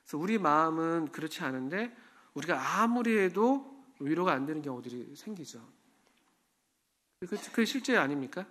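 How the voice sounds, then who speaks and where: A man gives a sermon in a church, his voice a little higher than most men's. He talks to the congregation in an easy, conversational way and often puts questions to them. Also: sing-song, moderate pace, fairly bright tone. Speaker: pastor.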